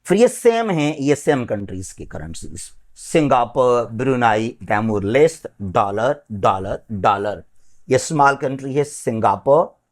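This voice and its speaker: A man's voice: mid-range voice, animated, a little slow. A man teaching a geography lesson, pointing along a map and repeating country and currency names, often checking in with his class. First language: Sindhi.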